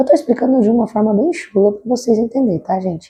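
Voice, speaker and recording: A woman speaks with lively intonation in a somewhat breathy voice with a dark, mellow tone. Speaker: singer-songwriter vlogger. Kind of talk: casual vlog monologue.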